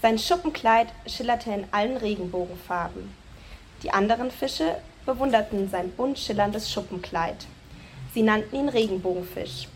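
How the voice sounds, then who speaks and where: A woman reading a children's story aloud at a church service, clear and expressive. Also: medium pitch, moderate pace, slight background noise.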